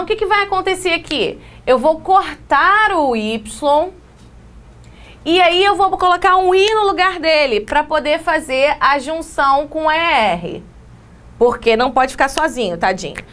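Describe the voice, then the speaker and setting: A Brazilian woman with a high, bright voice teaches an exam-prep English class. She walks through each rule one step at a time and keeps checking that her students are following. Her voice is recorded close to the mic. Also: animated, measured pace. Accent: Brazilian Portuguese. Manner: explains step by step, lots of checks like "beleza?" and "ó".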